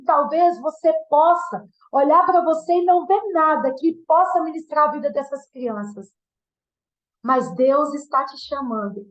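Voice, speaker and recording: A woman from giving an earnest, emotional testimony sermon, often restarting her sentences. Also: high-pitched. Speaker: guest minister giving a testimony. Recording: roomy, dull church sound.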